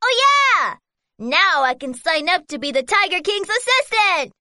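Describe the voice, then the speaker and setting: A woman voicing an eager, excitable little rooster boy in a children's audio story, bouncy and squealing. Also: very high voice, a little slow, no room sound, studio quality, heavily acted. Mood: overjoyed. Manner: bouncy, squealing, wide-eyed.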